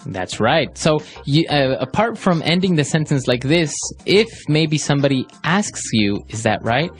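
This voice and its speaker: A man's voice: a little high, animated, normal speed, soft background music. Man co-hosting an English lesson. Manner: leads segments, affirms often. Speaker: co-host, English teacher. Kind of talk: language lesson podcast chat.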